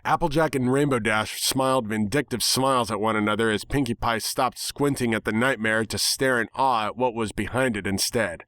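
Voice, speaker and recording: Male narrator for dramatic fiction reading, medium pitch, dry recording. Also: fairly bright tone, dry recording. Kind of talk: dramatic scripted story narration.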